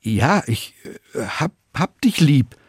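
A man's voice: fairly high pitch, big pitch swings, slow pace, husky, no room sound, clean studio sound, voice pushed up, full character voice. A man voicing a flustered fisherman disciple who stammers, then grows exasperated. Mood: stammering. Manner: stammering, rising and agitated.

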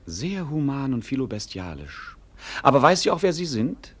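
Cheeky earthy jester, old german radio drama, raspy husky voice, super animated and sardonic. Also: male voice, mid-range voice, moderate pace. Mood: incredulous, eager. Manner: theatrical, sardonic, mock-pompous. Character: mocking, down-to-earth jester companion of a prince. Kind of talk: classic German radio play acting, comic.

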